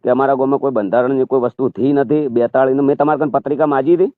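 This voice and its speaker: A man's voice: mid-range voice, steady tone, rapid-fire, no echo. A man with a Gujarati accent in a phone conversation, pressing his questions and complaints. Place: phone call. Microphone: telephone. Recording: tinny recorded phone call.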